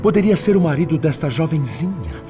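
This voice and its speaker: A man's voice: fairly high pitch, big pitch swings, fairly quick, music in the background. An actor playing an older grandfather's spirit, agitated and bitter, in a radio drama. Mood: indignant.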